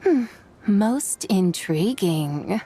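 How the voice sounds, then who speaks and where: A woman's voice: mid-range voice, animated, drawn-out words, warm tone, slight background noise. A woman playing an ancient white horse spirit in a video game, proud and wryly teasing, with archaic, theatrical phrasing. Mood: intrigued. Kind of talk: scripted video game character acting.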